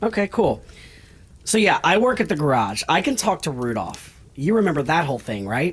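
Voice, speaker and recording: The speaker puts on a raspy character voice at a middle pitch with very wide pitch swings. The pace is moderate. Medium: audio drama. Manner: casual, chatty.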